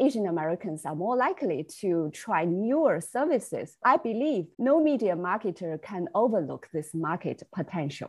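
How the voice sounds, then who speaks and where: Speaking at a moderate pace with hardly any pauses, a woman at medium pitch with a Chinese accent makes very wide pitch swings. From China. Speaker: nonprofit communications manager. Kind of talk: interview answers.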